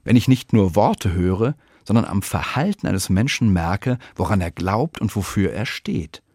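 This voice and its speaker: A man from the church giving a scripted radio devotion with expressive, lively storytelling. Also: fairly low pitch, a little slow, breathy edge, no echo, clean studio sound. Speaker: church speaker.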